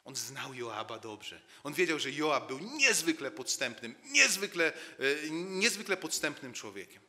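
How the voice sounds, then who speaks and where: A man's voice: fairly high pitch, big pitch swings, a little slow, sharp tone, long reverb tail. A man preaching a sermon in a church, telling the story dramatically, dropping to a near-murmur and rising again, often repeating words as he builds a point.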